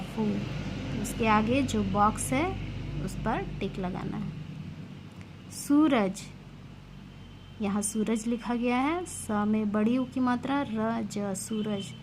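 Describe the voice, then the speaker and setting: A woman teacher reading a children's lesson aloud, sounding out each word slowly and clearly for young pupils. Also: mid-range voice, background noise. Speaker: school teacher.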